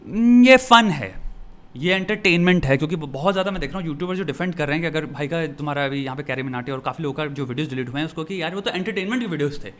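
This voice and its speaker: A young Indian man with a slightly higher voice than most men, chatting in a friendly, conversational way. He slips English phrases into his Hindi and speaks to the listener like a friend. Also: very fast, hardly any pauses. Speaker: YouTube commentator. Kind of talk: casual talk to camera, reading comments aloud.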